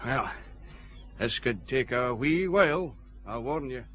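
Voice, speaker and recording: A man's voice: mid-range voice, animated, takes it slowly, fairly bright tone, slight background noise. An actor playing a cautious local man guiding police across a bog. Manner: cautious, warning. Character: cautious male local guide on a bog path. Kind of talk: radio drama acting.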